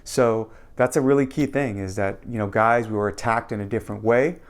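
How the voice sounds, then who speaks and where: Low, creaky-voiced man giving advice. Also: steady tone, brisk. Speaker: podcast co-host giving advice. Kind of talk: casual faith-based advice monologue.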